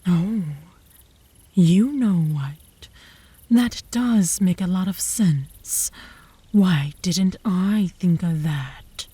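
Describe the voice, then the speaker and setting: Girl voicing smug possessive werewolf girl, slow husky teasing, dark mellow tone, asmr audio drama. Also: on the low side, no room sound, full character voice. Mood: pondering. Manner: smug, taunting. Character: cocky, possessive young female werewolf rival in love.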